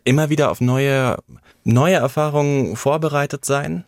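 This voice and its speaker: A man's voice: mid-range voice, moderate pace, dry recording, clean studio sound. A man, an actor, talking candidly in a personal conversation and reflecting on his experiences, often acting out what others said. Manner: reflective, tells stories with acted-out quotes.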